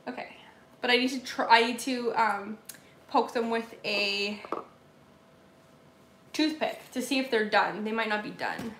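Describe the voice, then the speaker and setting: Young southern gal chatting to viewers while baking, kinda high voice, faint room hum. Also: female voice, unhurried, long pauses, fairly bright tone. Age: young adult. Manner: chatty, reads and answers viewer comments aloud. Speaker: vlogger live-streaming. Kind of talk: casual live-stream chat while baking. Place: home kitchen, indoors. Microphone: laptop or phone camera at table distance. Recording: echoey kitchen room sound.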